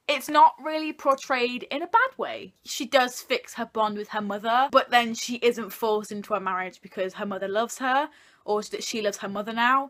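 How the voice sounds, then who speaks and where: A woman's voice: on the high side, sharp tone. A young woman talking casually and informally to her viewers like a video blogger, jokey and opinionated. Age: young adult. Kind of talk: casual chatty countdown review to camera.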